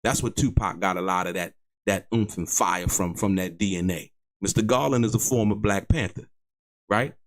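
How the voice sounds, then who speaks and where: A man hosting an online show, giving emphatic, indignant commentary in a halting, repetitive way, often repeating words as he argues his point. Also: low voice. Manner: indignant, disputing. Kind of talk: opinionated commentary to viewers.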